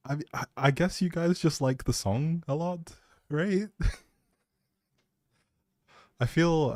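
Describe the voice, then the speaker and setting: A man's voice: mid-range voice, darkish tone, dry recording, clean studio sound. A man hosting a gaming livestream, rambling casually in a giggly, flustered, scattered way.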